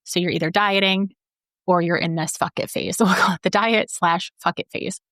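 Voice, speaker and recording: Woman host, lowish slightly raspy voice, loose rambling delivery, dry close recording. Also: fairly even intonation, normal speed, a bit bright, no room sound. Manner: chatty, rambling, swears freely. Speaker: podcast host and personal trainer. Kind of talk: casual solo podcast talk.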